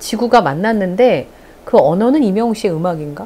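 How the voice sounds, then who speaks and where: Her fairly high voice moves at a moderate pace, and this woman's intonation is lively. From South Korea. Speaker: YouTube channel host, former news anchor. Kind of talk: interview. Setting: studio. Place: studio. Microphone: lapel.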